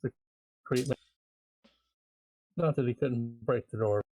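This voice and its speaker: A man's voice: medium pitch, takes it slowly, dark tone, dry recording, low-quality recording. A man playing a tabletop game, easygoing, speaking in short plain sentences. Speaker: player. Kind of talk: casual play at a tabletop game.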